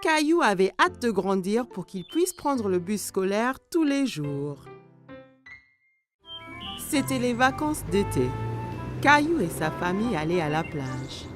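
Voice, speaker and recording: A woman's voice: mid-range voice, big pitch swings, takes it slowly. A woman reading scripted narration for a children's cartoon story. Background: background music.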